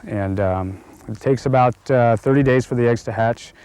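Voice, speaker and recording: A man speaking as a field biologist in a nature documentary, explaining informally and haltingly in unscripted talk. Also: medium pitch, a little mellow, clean tone.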